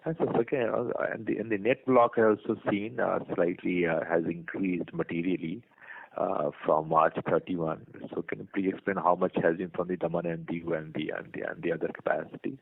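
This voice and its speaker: Indian man, analyst caller, gravelly and hesitant, thin telephone audio. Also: deep voice, steady tone, fairly quick. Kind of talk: question-and-answer on earnings call. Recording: tinny phone line.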